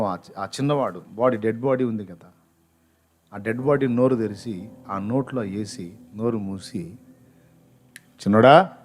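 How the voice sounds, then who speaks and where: A male pastor tells a sermon story with dramatic swings of feeling. His voice sits at a medium pitch. Soft music plays faintly under his words.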